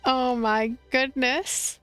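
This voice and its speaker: A woman hosts a let's play of a visual novel, reading the story as narrator. Her voice is slightly high, with light music playing behind her. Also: fairly even intonation, extremely slow, fairly bright tone, clean tone, rough recording.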